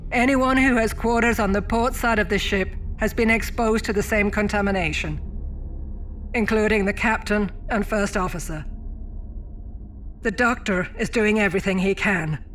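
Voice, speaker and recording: An actress playing a brisk female mining chief and officer on a spaceship, giving formal log reports in a sci-fi audio drama. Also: medium pitch, a bit bright, close to an everyday voice. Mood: grave, urgent. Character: brisk woman mining chief turned acting captain of spaceship. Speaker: voice actor.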